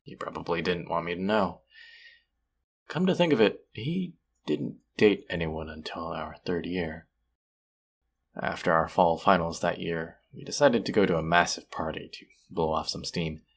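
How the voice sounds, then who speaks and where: A man acting as a friendly young guy in an intimate audio drama. His voice sits very low, with a gravelly, husky grain. He talks gently and conversationally, sometimes hesitating, like someone sympathetic getting to know a new acquaintance. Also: normal speed, exaggerated voice. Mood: reflective. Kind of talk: intimate one-sided audio roleplay acting.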